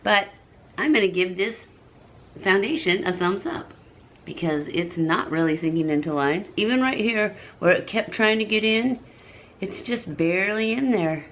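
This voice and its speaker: A woman's voice: mid-range voice, lively intonation, moderate pace, fairly bright tone, a little hiss or hum. A woman in her fifties giving a casual, chatty makeup review to camera. She rambles a little and corrects herself as she goes. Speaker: beauty vlogger.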